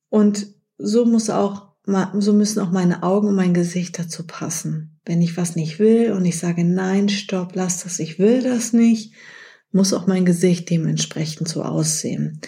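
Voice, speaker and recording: A woman hosts an advice podcast in a mellow, warm voice. She coaches the listener directly and drops into brief acted example lines. Her pitch sits in an ordinary middle range. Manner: acts out short example phrases. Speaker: podcast host.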